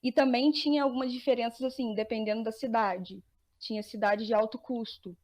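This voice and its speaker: A woman's voice: a little high, steady tone, brisk, darkish tone. A young woman with a Brazilian Portuguese accent, a podcast guest chatting casually, laughing often and restarting her sentences. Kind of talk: casual interview chat.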